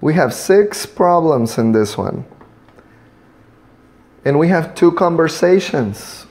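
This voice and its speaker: A male English teacher leads a class off camera. He speaks slowly and patiently, with a slightly high voice, drilling his student with prompts and switching between two languages. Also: lively intonation, darkish tone.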